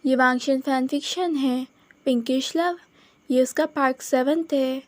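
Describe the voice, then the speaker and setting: Female storyteller, high-pitched, chatty casual narration. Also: steady tone, slow pace, a little mellow, no echo. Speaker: fanfiction storyteller.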